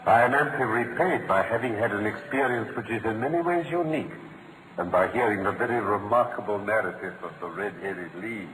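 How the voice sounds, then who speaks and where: An actor playing a brilliant, world-weary British gentleman detective in an articulate, theatrical old-time radio drama style. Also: lowish voice, brisk, very noisy, close to an everyday voice. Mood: self-satisfied, explaining. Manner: articulate, theatrical, explanatory delivery.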